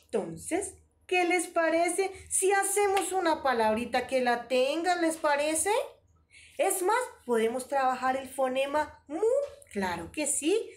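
A woman's voice: high voice, lively intonation, slow pace. A woman teaching an online preschool lesson, talking in an exaggerated, sing-song, encouraging way.

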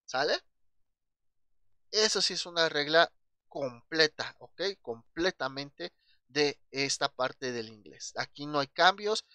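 A man's voice: a little high, sharp tone, no echo. A man with a Mexican Spanish accent teaching an English grammar lesson, patient and checking in often with his class.

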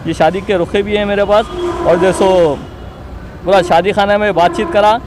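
A man's voice: sits high, steady tone, normal speed. A young man with a Hyderabadi accent giving an insistent, repetitive, self-justifying statement to reporters outdoors. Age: young adult. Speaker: interviewee giving a statement to local news. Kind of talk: spoken personal testimony to reporters. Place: outdoors beside a street wall. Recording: outdoor street noise behind.

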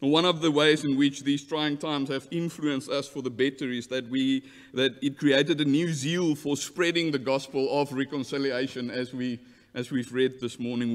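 An earnest man with an Afrikaans accent speaks at a lectern in a large church hall. His voice sits at an ordinary middle pitch and rings with long reverb. He talks formally but stumbles and restarts words now and then. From South Africa. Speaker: church delegate. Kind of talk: formal address to an assembly. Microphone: lectern mic.

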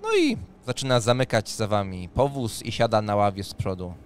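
A man's voice: lowish voice, huge pitch swings, normal speed, a little hiss or hum. A man, narrating a tabletop fantasy game as game master on a close microphone. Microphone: close microphone on an arm, headset.

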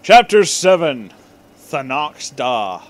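A man's voice: fairly high pitch, sing-song, takes it slowly. A man hosting a comic reading of fan fiction, exaggerating misspelled words and dropping in mocking, profane asides.

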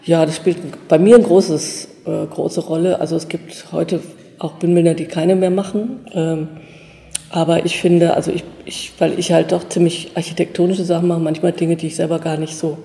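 A woman's voice: on the low side, little pitch movement, moderate pace, gravelly, mellow. A woman in her sixties, a stage design professor, talking in an interview in a loose, rambling way with many fillers. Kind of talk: relaxed interview talk. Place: office with bookshelves. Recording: echoey room with long reverb.

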